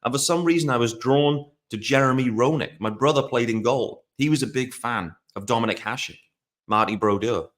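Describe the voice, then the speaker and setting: A man's voice: medium pitch, normal speed, fairly bright tone. A man in his forties from South Wales with a Welsh accent, talking casually and at length as a podcast host, rambling and poking fun at himself. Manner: rambling, conversational, self-deprecating. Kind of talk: casual solo podcast talk.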